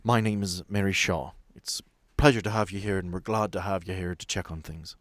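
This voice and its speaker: A man voicing a composed, formal female sanatorium administrator in a tabletop game, polite and measured with slight hesitation. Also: low-pitched, fairly even intonation, fairly bright tone, dry recording. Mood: polite, gracious.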